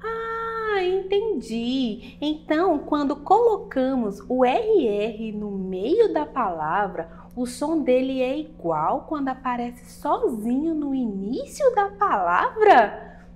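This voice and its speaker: A woman's voice: sits high, sing-song, slow pace, heavily acted. A woman doing an eager young pupil. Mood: curious. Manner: eager questioning.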